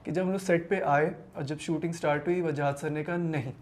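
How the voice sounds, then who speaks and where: A man's voice: a little high, fairly even intonation. A male actor in an interview, recounting a shoot earnestly and mixing two languages. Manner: earnest, mixing Urdu and English. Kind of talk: casual interview chat.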